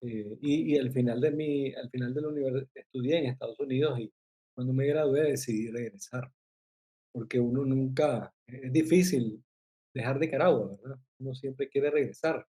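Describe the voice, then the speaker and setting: A Costa Rican-born man in his forties, a journalist and filmmaker, appears as a guest in a casual podcast interview. His voice is medium-pitched, mellow and husky at a normal speed, and he sounds hesitant, using lots of fillers.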